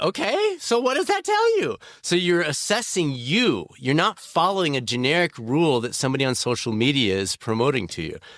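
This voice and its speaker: This man talks at a fairly quick pace with hardly any pauses. His tone is animated, and there is noticeable background noise. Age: 60s. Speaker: health and fitness expert. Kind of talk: podcast interview. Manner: halting.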